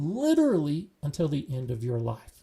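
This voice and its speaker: A man's fairly high, somewhat breathy voice with a dark, mellow tone at a moderate pace, in a very clean recording with a silent background. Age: 60s. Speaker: gardening channel host. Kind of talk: live-stream talk.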